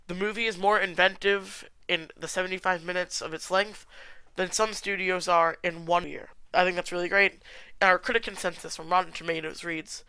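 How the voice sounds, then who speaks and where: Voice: mid-range voice, fairly even intonation, moderate pace, sharp tone, smooth, dry recording, poor audio. A podcast host with a stuffy nose and sore throat, chatting casually and giving opinions in a solo film review. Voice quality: congested.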